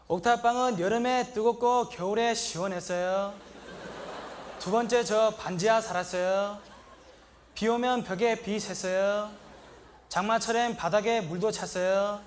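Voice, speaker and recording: A comedian playing an earnest young male migrant worker with a Sri Lankan accent, speaking in short, broken sentences and shouting an indignant catchphrase. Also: high-pitched, slight background noise. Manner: broken, simple Korean sentences. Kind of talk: stand-up comedy monologue.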